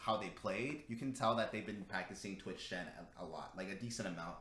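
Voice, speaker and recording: Lively intonation from a man at a medium pitch, with audible room echo. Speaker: esports analysis show host. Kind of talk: casual esports analysis chat. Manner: mumbling.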